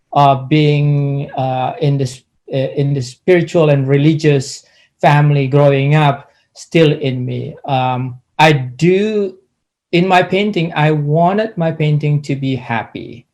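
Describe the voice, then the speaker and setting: A middle-aged man from Indonesia, an artist answering interview questions in a halting way with many restarts and pauses. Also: a little high, a little mellow.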